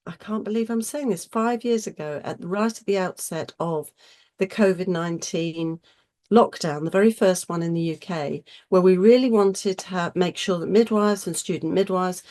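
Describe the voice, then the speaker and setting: A woman chairing an online session in a chatty, effusive way, her voice husky from a cold. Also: fairly low pitch, normal speed, warm tone. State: getting over a cold. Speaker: host chairing an online webinar. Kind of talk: informal presenter's welcome and introductions.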